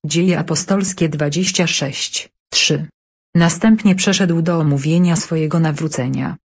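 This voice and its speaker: Scripted Bible reading and study narration come from a female scripture reader with a low voice and a husky edge. She keeps her delivery even and measured.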